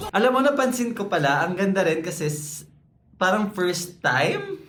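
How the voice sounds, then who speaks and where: A man's voice: high-pitched, very animated, moderate pace. A young man co-hosting a reaction video, chatting casually and thinking aloud as he goes. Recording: echoey room with music playing.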